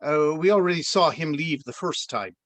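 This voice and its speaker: Falsely friendly male cult member, light high voice, placating and hesitant, dry recording, played by an actor. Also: lively intonation, moderate pace, fairly bright tone, no room sound. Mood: evasive politeness. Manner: hesitant, soothing. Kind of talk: dramatic table read.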